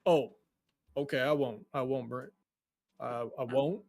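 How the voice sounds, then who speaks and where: A man's voice: mid-range voice, fairly even intonation, measured pace, gravelly, a little mellow. A man voicing a meek young male dwarf worker who stammers and apologizes, his voice lighter than other dwarves. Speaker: game master. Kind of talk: tabletop game role-play.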